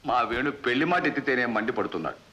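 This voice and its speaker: A kindly old rich landlord. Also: male voice, mid-range voice, expressive, rapid-fire, sharp tone, highs cut off. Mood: wistful. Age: older. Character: wealthy, kindly old landlord longing for a grandson. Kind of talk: 1960s film drama.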